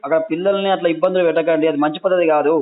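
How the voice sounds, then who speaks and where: A man's voice: a little high, fairly even intonation, very fast, a loud crowd. A man with a Telangana Telugu accent, a journalist questioning someone on a phone call, insistent and admonishing and often cutting in. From Telangana, India. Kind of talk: confrontational phone interview. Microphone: telephone. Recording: tinny narrowband phone call.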